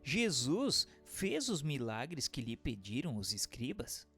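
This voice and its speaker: A man's voice: mid-range voice, very animated, slow. A man with a Brazilian accent reading scripted narration in a formal, didactic way. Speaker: narrator and questioner. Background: music.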